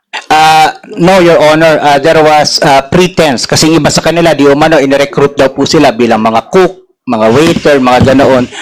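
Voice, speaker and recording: A man with a plain, everyday voice speaks at a moderate pace, his pitch fairly high. His pitch variation is ordinary and his loudness very even. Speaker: anti-trafficking official presenting at hearing. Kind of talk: testimony at congressional hearing. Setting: hearing room. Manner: formal.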